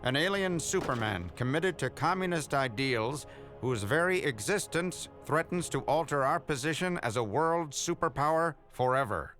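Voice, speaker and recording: A man's voice: on the high side, lively intonation, moderate pace, a bit bright, soft background music. A man voicing a grave American statesman giving a formal address to the nation in a motion comic.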